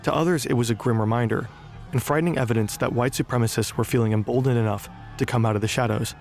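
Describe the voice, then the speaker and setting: A man giving measured, scripted documentary narration. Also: medium pitch, a little mellow, soft background music.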